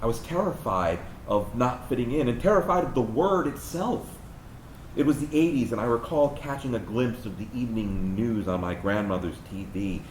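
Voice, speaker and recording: A man acting in a staged reading as a gay man looking back on his youth, speaking deliberately with emphatic pauses. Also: medium pitch, expressive, natural voice. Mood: grave, reflective. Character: gay man recalling a fearful small-town youth. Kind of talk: dramatic monologue read from a script to an audience. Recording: roomy stage recording with faint noise.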